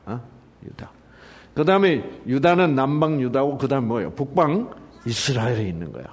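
A man's voice: mid-range voice, animated, moderate pace, husky. A man teaching a Bible passage as a sermon, often asking and answering his own questions, with sudden drops into whispers. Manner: rhetorical questions and answers, swings from loud to whispered. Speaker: pastor.

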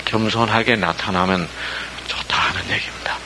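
In a lowish voice at a moderate pace, a pastor animatedly preaches, repeatedly putting rhetorical questions to the congregation and answering them himself. Background noise is audible throughout.

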